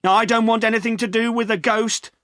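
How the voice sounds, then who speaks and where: A man's voice: very high voice, fairly even intonation, fairly quick, a bit bright, no echo, studio quality, voice pushed up. A man voicing a nervous, hot-tempered village poacher who defends himself. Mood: defensive.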